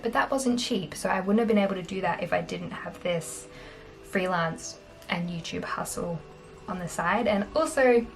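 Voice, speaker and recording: A young Australian woman in her twenties, chatting casually on camera in a small bedroom, upbeat and quick to laugh. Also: lowish voice, poor audio. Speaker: vlogger. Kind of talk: casual talking-head finance vlog.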